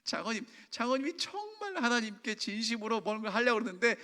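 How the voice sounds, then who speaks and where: High, bright-voiced pastor preaching in a reverberant church. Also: male voice, very animated, brisk. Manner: emphatic, asks the congregation questions. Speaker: senior pastor. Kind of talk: sermon. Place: church sanctuary.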